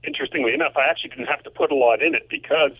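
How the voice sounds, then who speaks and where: A man with a creaky, husky voice and animated pitch talks casually as an audio producer. The sound is dull and radio-like. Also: very fast, no echo. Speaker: audio producer who scores the drama. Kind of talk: casual chat.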